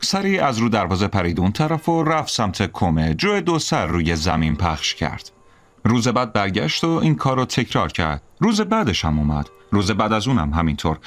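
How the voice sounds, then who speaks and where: Low-voiced expressive male storyteller. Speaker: narrator. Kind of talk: audiobook narration.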